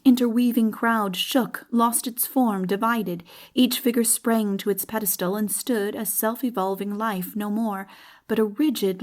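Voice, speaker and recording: A woman's voice: mid-range voice, darkish tone. Woman giving a dramatic audiobook reading. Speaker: audiobook narrator. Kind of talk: dramatic literary audiobook narration.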